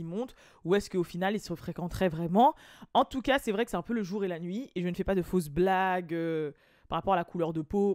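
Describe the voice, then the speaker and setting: A woman's voice: lowish voice, warm tone, no room sound, clean studio sound. A woman hosting a celebrity gossip podcast, talking in a rambling, chatty way full of fillers and restarts. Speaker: podcast host. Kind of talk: casual celebrity gossip chat.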